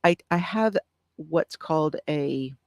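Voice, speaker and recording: A woman hosting a casual live stream, with a soft, calming voice, reading out notes on breathing and answering viewer comments. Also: sits low, no echo, clean studio sound. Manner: gentle, reads aloud with pauses and answers viewer comments. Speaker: craft channel host.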